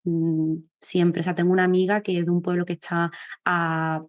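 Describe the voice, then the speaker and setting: A Spanish teacher and host from Seville with an Andalusian accent, asking questions in a friendly, conversational way. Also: female voice, on the low side, level tone, moderate pace, no room sound. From Seville, Spain. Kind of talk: interview.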